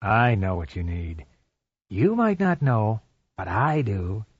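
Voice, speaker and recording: A menacing male stalker drags out each word in a slow, insinuating murmur, as a male narrator voices him. The voice is breathy and sits back from the listener. The audiobook recording is dull and dry. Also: fairly low pitch, big pitch swings, no room sound, heavily acted. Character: menacing man stalking a woman by phone.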